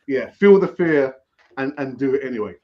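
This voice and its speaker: A man's voice: medium pitch, lively intonation, normal speed. A man in a casual chat giving advice, speaking emphatically and repeating key words. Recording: dull lo-fi sound.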